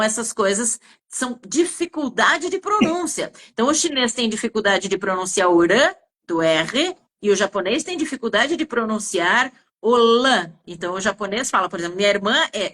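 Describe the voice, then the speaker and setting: A woman's voice: mid-range voice, animated, normal speed, fairly bright tone. A woman from southern Brazil with a southern accent explains speech errors in a casual chat, giving many examples with frequent hesitations. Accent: southern Brazilian Portuguese. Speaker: communication teacher. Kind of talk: casual two-person chat.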